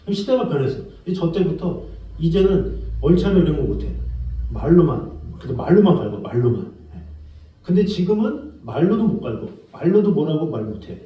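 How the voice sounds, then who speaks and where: A man's voice: fairly high pitch, sing-song, fairly quick. Preaching man in an echoing church. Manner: conversational preaching with rhetorical questions; acts out quoted scolding and gentle voices. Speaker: pastor. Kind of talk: sermon. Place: church sanctuary. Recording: roomy, distant, dull church recording.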